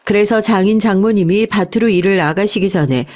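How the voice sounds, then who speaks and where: A woman's voice: medium pitch, brisk, darkish tone. A woman reading a scripted first-person life story aloud as a narrator.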